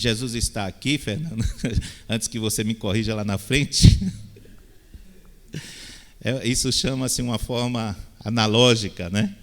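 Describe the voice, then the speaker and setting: A pastor preaching a sermon, often asking the congregation "Amém?" and slipping in light-hearted asides. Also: male voice, fairly low pitch. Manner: call-and-response "Amém?" with playful asides. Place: church hall. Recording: long reverb of a church hall.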